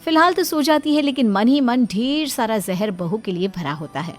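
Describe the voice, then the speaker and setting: A woman's voice: a little high, expressive, moderate pace, soft background music. Woman narrating a family drama. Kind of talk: scripted story narration.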